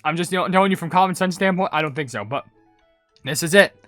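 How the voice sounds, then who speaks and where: A man's voice: fairly high pitch, fast, fairly bright tone, dry recording. A man giving casual, chatty, rambling reaction commentary on a video game. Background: game music.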